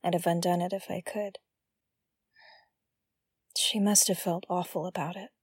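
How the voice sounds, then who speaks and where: A woman's voice: lowish voice, level tone, unhurried, husky, dry recording, studio quality. A woman playing a young hacker in an audio drama, casual, colloquial and sympathetic. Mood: sympathetic, subdued.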